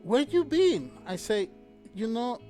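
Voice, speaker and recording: A man's voice: very high voice, big pitch swings, unhurried, warm tone. Middle-aged man, casual storytelling, broken English grammar, laughs often, music faint behind. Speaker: guest, host's father.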